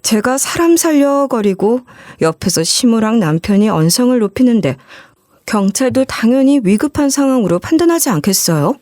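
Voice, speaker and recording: A woman's voice: on the high side, big pitch swings, normal speed, darkish tone, no echo, studio quality. A woman narrating a first-person story in a conversational, scripted way. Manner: conversational retelling.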